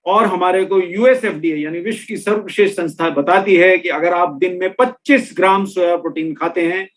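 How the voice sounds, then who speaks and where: A man's voice: high-pitched, moderate pace. A middle-aged man presenting a health and nutrition talk, explaining step by step and speaking straight to his listeners. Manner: explanatory, addresses listeners directly. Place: room with products on shelves behind.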